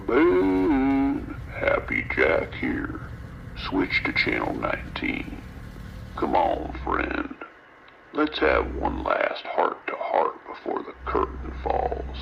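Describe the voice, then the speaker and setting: A man's voice: sits low, wildly swooping pitch, heavily acted. An actor playing a menacing, theatrical male villain in a horror radio drama, mocking and intimate over a radio. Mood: sinister mocking. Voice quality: gravelly, breathy at times. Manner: drawn-out, mocking, intimate address. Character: menacing taunting male villain named Happy Jack, theatrical and sinister. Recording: muffled radio transmission with static noise.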